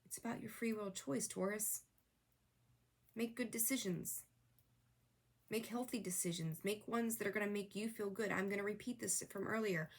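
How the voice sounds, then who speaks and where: A woman's voice: mid-range voice, steady tone, moderate pace. A woman reading tarot who talks straight to viewers in an earnest, coaching way, repeating her advice, with a voice that is wearing thin. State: losing her voice, clearing her throat. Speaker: tarot reader. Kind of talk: casual spiritual tarot reading.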